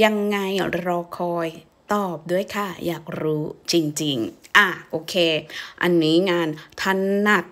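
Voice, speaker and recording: A woman's voice: fairly low pitch, sharp tone. A young woman with a Thai accent giving a chatty, playful casual language lesson, slipping in French phrases. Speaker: language teacher and vlogger.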